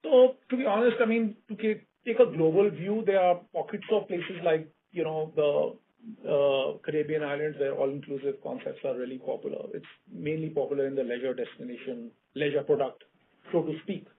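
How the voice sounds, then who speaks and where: A male hospitality executive answering analysts' questions on a conference call, explaining in measured corporate phrases. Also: fairly high pitch, fairly even intonation, husky. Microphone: conference call line. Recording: tinny phone line with faint noise.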